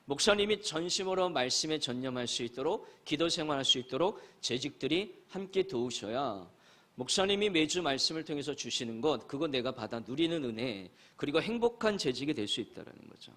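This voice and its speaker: A male guest pastor delivering a sermon with a somewhat high voice. He tells anecdotes and keeps turning to address the congregation. His tone is earnest and exhorting. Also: expressive, brisk, a bit bright. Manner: earnest, storytelling preacher who addresses the congregation directly.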